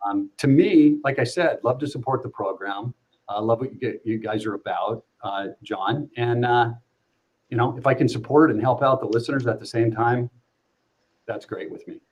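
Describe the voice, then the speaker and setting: A man's voice: mid-range voice, moderate pace, dull audio. A middle-aged man, a company representative guesting on a livestream, explaining investments fluently and confidently. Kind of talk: casual interview.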